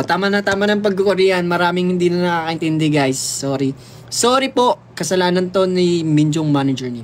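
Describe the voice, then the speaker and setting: A man's voice: fairly high pitch, slight background noise. A young man from the Philippines hosting a casual livestream, playfully chatting and reading and answering viewer comments aloud, switching freely between languages. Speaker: livestream host.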